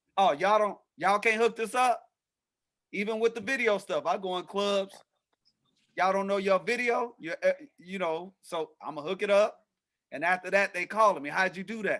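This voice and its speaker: A man speaks with a high pitch and a bright, sharp tone, at a moderate pace. His delivery is animated, with ordinary pitch variation and long, frequent pauses. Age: 40s. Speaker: podcast host, DJ. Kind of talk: interview.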